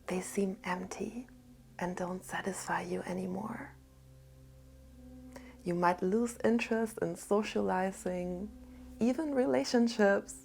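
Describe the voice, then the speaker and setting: A woman giving a gentle spiritual talk in a soft, half-whispered, calm voice. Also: mid-range voice, vocal fry, slight background noise. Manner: calm and unhurried. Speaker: spiritual teacher.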